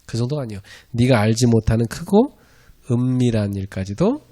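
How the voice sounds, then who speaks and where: Here a middle-aged man preaches as a pastor, keeping his sermon lively and chatty. He speaks at medium pitch and normal speed, laughing a lot and erupting now and then into loud, shouted prayer.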